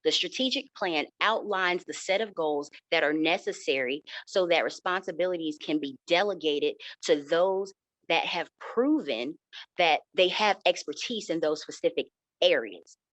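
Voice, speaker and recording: A woman answering candidate questions in a formal, measured way, repeating set phrases. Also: on the low side, animated, a bit bright, dry recording, rough recording. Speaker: board candidate.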